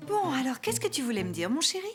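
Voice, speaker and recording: A woman playing a gentle, patient young mother in a children's cartoon dub. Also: high voice, sing-song, quick pace. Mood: kindly. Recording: music behind the dialogue.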